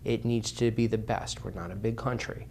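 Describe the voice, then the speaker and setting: A man's voice: on the low side, fairly even intonation, normal speed, creaky, dark tone, a little hiss or hum. Impassioned man, earnest interview guest. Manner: impassioned, repeats phrases for emphasis.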